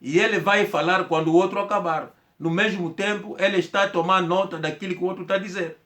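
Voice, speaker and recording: Man, slightly high voice, casual rambling storyteller who repeats himself and acts out what people said. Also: fairly even intonation, fast talker, a bit bright. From Angola. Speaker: commentator telling a personal story.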